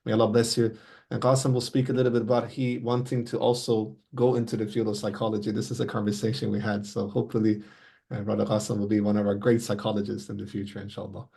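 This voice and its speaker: A man's voice: fairly low pitch, level tone, quick pace, gravelly, mellow. A man hosting an online tribute over a video call, courteous and formal, with many religious blessings in his speech. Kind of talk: formal moderating.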